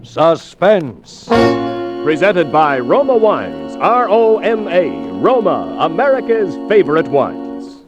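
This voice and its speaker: Lively vintage radio announcer, man. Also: high-pitched, takes it slowly, over loud music. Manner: smooth, salesy announcer delivery. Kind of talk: 1940s sponsor announcement. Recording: dry, dull lo-fi vintage broadcast.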